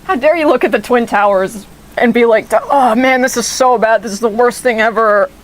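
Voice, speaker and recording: A woman's voice: fairly high pitch, moderate pace, low-quality recording. A woman in her twenties from the United States giving casual, rambling gameplay commentary, swearing freely. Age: 20s. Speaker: streamer.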